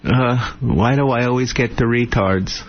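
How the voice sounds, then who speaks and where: A man's voice: mid-range voice, a little slow, a little hiss or hum, lightly acted. A man playing a belligerent, thuggish customer making threats on a prank phone call. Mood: menacing, insulting. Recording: muffled lo-fi phone audio.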